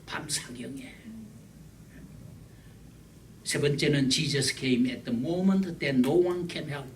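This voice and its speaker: A man preaching a sermon, emphatic and repetitive, his loudness swinging widely. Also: fairly high pitch, slow pace. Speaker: pastor. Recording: distant mic with faint background hiss.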